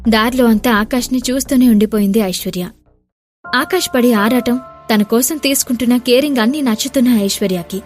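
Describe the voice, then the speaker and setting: A woman's voice: on the high side, fairly quick, soft background music. A woman narrating a dramatic audio story, voicing every character herself. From Telugu-speaking India. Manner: voices all the characters herself, shouting for the angry ones.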